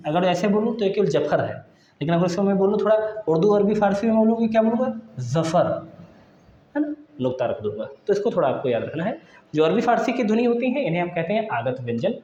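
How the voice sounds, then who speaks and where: A man's voice: high-pitched, big pitch swings, fast talker, warm tone, reverberant, lo-fi sound. A man teaching an exam-prep grammar lesson, explaining patiently and often repeating key points to his students.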